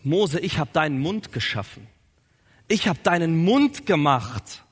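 A stern, impatient divine voice, as a man at the pulpit puts it on, firm and insistent. The tone is bright and forceful. A long hall reverb hangs behind it. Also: very high-pitched, moderate pace, vocal fry, slightly rough, pitched above the performer's own voice, full character voice. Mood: exasperated. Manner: firm, exasperated. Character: exasperated commanding God, stern male deity.

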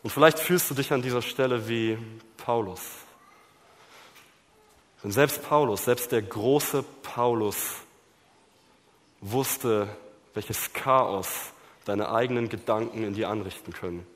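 A male preacher at a mid pitch delivers a sermon with dramatic swings, pressing hard on key words and then sinking into quiet, low passages. His voice rings through a church hall with a long reverb tail. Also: slow pace, pauses often. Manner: dramatic, swings between loud emphasis and hushed low delivery.

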